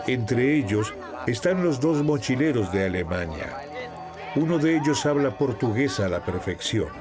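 Guy narrating a travel doc, calm and measured, music playing under him. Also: medium pitch. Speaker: documentary narrator. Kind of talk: scripted narration.

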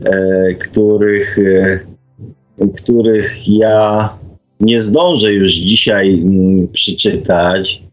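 A man's voice: lowish voice, steady tone, very slow, rough recording. A man hosting a live call-in radio discussion, speaking hesitantly as he searches for words. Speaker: radio host.

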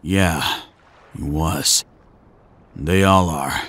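A man's voice: rumbling low, drawn-out words, a bit bright, heavily acted. A man voicing a grimly determined, wry swordsman in a fan dub of an anime game.

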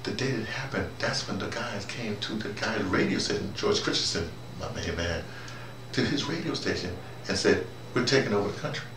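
Older guy ranting to camera, really animated, keeps digressing, echoey room with noise, mic a few feet off. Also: on the low side, brisk, vocal fry. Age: middle-aged or older. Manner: animated, digressive, searching for words, repeats himself. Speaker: audio drama director. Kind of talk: rambling opinionated monologue to camera. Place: small indoor room or office. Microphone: camera a few feet away. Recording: roomy, distant camera mic, noisy.

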